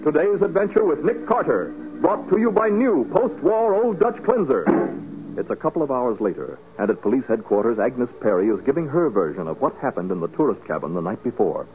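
A man's voice: medium pitch, very animated, brisk. A man announcing and narrating a scripted 1940s radio drama in a dramatic, emphatic style. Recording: tinny, noisy 1940s radio recording.

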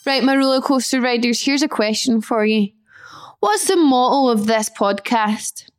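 Higher-voiced woman podcasting in an echoey flat. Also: moderate pace, clean tone. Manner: chatty, emphatic repetition. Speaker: podcast host. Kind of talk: casual solo podcast monologue. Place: indoors, small echoey flat.

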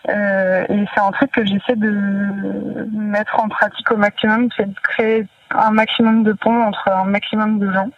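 A woman from northern France, a guest in a casual interview, talking hesitantly with many pauses and fillers. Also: mid-range voice, level tone, no echo, recorded from a distance, narrow, tinny audio.

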